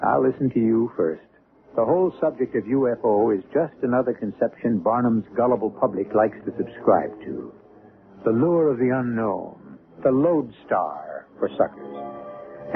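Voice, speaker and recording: An actor as the wry host and narrator of an old-time radio drama, speaking in a deliberate, theatrical way. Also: male voice, fairly low pitch, gravelly, narrow, tinny audio. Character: wry, theatrical male host of suspense tales. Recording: band-limited old radio recording.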